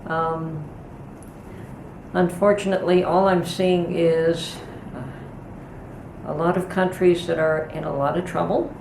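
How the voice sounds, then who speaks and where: Middle-aged woman with a low, gravelly voice, chatting slow and calm in her kitchen, echoey and a bit noisy. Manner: calm, unhurried, thoughtful with pauses. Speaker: homestead channel host. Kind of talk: casual kitchen vlog chat. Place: home kitchen. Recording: echoey room with noticeable background noise.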